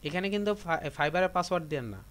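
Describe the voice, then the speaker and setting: A high-voiced man from Bangladesh talks quickly and animatedly as he teaches a live computer class. His tone is a bit bright, and his step-by-step instructions to the students are repetitive.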